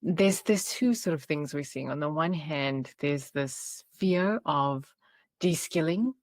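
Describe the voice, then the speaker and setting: A woman hosting a podcast interview, asking unhurried, layered questions with plenty of hedges. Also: deep voice, no room sound, clean studio sound. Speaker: podcast host.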